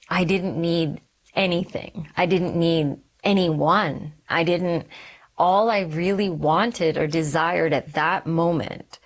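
A woman in her forties from Canada, an OB-GYN physician, telling her faith story in an interview in an earnest, reflective, measured way. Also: fairly low pitch.

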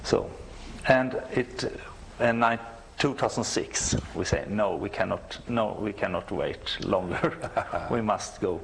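A middle-aged Swedish man, a church musician, answering interview questions in halting, non-native English with a Swedish accent, often searching for words. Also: fairly low pitch, gravelly, fairly bright tone, a little hiss or hum, low-quality recording. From Sweden.

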